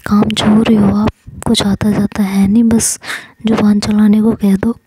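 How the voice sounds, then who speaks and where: Sarcastic grumbling young woman, whispered role-play, a woman voicing her, soft and mellow. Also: mid-range voice, little pitch movement, unhurried, husky, no room sound, rough recording. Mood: mocking. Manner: sarcastic, complaining. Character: young woman Ishu, sulky and mocking.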